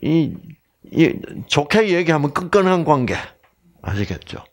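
A man's voice: a little high, very animated. A middle-aged man from Korea giving a health lecture that turns to faith, asking his audience questions and answering them himself, often dropping to a near whisper. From South Korea. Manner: slow and drawn-out, many fillers, drops to a near whisper at key points. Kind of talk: health lecture with sermon-like passages.

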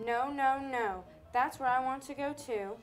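A woman's voice: high voice, unhurried, soft background music. A woman playing a bossy, snooty lady. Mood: haughty. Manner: haughty, bossy.

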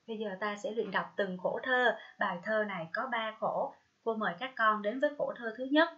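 A woman primary school teacher from Vietnam giving a recorded reading lesson to first graders, gently sounding out words slowly, syllable by syllable. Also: mid-range voice. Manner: slow, careful syllable-by-syllable pronunciation drills; gentle, coaxing address to young pupils. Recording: dull lo-fi recording.

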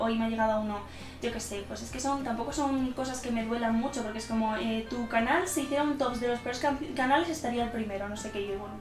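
A bright-voiced young woman of eighteen with a central Spanish accent, chatting to her camera in a small room. She talks fast and nervously, tripping over words and breaking into laughs. The room rings with echo and faint music sits behind her. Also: on the high side. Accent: Spanish from central Spain. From Spain. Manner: quick, nervous, stumbling, laughs often. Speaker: YouTuber answering viewer questions. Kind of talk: casual Q&A vlog.

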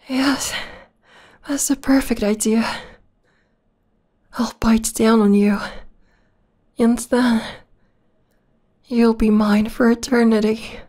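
Slow, possessive vampire girl played by a woman. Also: fairly high pitch. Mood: possessive, entranced. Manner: soft, breathy, intimate, lingering delivery with whispers. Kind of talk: ASMR roleplay.

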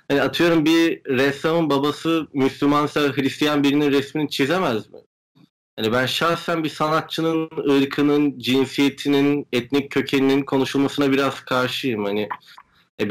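A man's voice: medium pitch, low-quality recording. A young man, a guest artist, explaining his work and views in an interview over a video call. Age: young adult. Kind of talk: interview answers, explanatory talk. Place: indoor room at home, video call. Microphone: video call microphone.

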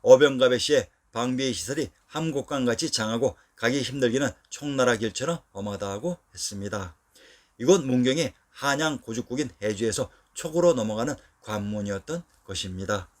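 Guy reading a history script, mid-pitch, even, lists lots of place names. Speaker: narrator.

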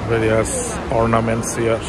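A man giving a walking tour of a shopping mall, pointing out shops in plain, halting sentences with fillers. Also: mid-range voice, completely flat delivery. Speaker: travel vlogger. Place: busy shopping mall, indoors. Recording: loud crowd and mall noise behind.

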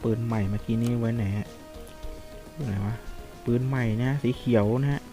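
A man giving casual, chatty commentary while playing a mobile shooter game, reacting loudly to the action. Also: medium pitch, steady tone, normal speed. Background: game music.

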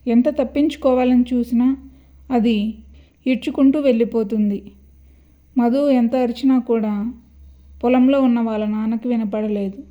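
A woman narrating a scripted horror story in a steady, dramatic storytelling manner. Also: a little high, lo-fi sound.

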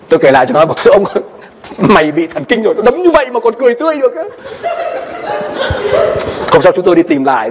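A male pastor preaching a sermon and telling a personal story with animated delivery, his voice often jumping high for emphasis. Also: slight background noise. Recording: long hall reverb.

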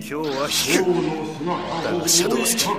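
An actor playing a proud, menacing, defiant enemy warrior with theatrical, declamatory delivery in an anime radio drama. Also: male voice, fairly high pitch, expressive, brisk, reverberant, lightly acted. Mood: grim, defiant. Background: music.

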